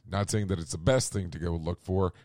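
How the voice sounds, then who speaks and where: A man hosts a radio talk show while his voice is going hoarse. His low voice sounds dry and close. He rambles through the news, corrects himself often and drops sarcastic asides. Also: brisk, a little mellow, no echo. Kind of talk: casual news commentary.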